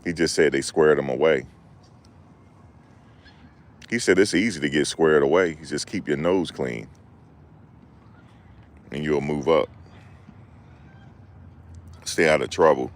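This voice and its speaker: A man's voice: very deep voice, unhurried, long pauses. A man hosting a livestream, chatting loosely with his viewers, joking and rambling as he goes. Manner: joking, rambling, talks back to chat. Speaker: livestream host. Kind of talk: casual chat with live viewers.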